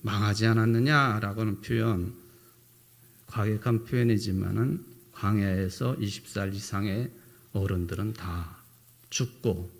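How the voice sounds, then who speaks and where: A man's voice: lowish voice, gravelly. A middle-aged male pastor giving a sermon in a conversational way, often posing rhetorical questions to the congregation.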